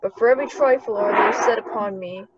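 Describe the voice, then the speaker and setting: A woman plays a resentful monster enslaved on an island, cursing and fearful, in a Shakespeare radio play. The pitch is mid-range, and the recording is dull with clear noise behind it. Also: a little fast, natural voice. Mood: bitter, cursing.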